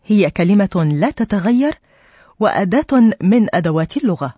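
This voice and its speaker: A woman teaches a language lesson for radio, her voice slightly husky and pitched on the low side. She explains patiently and clearly, with lively rising and falling intonation, in a dry studio sound. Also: moderate pace, no echo.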